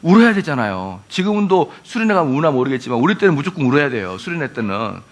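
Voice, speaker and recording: Lively high-voiced man preaching. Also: fast talker. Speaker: pastor. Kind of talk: sermon. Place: church.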